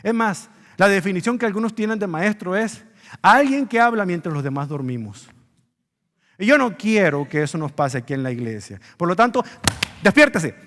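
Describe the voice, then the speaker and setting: In a church with long reverb, a male pastor delivers an earnest, expressive sermon at a moderate pace. His voice is high for a man and a bit bright, and he pushes key words upward for emphasis.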